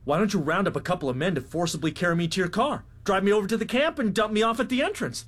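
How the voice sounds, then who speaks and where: A man's voice: high voice, quick pace, fairly bright tone, voice pushed up. A man in his twenties playing an earnest young student who refuses an offer politely but firmly. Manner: polite, firm, principled.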